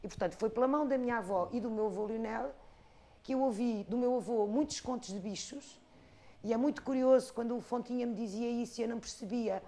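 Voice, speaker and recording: A Portuguese woman in her fifties from the Algarve, an expressive storyteller talking about her life and craft, with an Algarve accent. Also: a little high, fast talker. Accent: European Portuguese, Algarve. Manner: expressive storyteller, rhythmic lists. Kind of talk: reflective interview talk.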